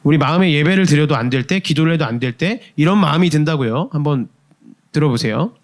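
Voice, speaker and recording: A man's voice: a little high, fast talker. A young man preaching a sermon at a youth church service, talking with the congregation and acting out quoted inner voices. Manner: lively, conversational preaching with questions to the congregation. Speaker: youth pastor.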